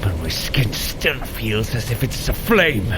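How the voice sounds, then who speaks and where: An actor playing a proud, wrathful thunder god who declaims in grand, archaic speech in a fantasy audio drama. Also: male voice, on the low side, very animated, a little slow. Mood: pained, weary. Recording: dramatic music behind.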